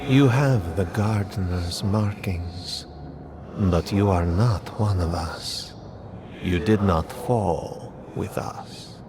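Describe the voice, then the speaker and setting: A grave ghost of a drowned ancient people, stern and mournful. He speaks extremely slowly and deliberately in a lowish voice, with game music clearly behind him. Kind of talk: fantasy game voice acting.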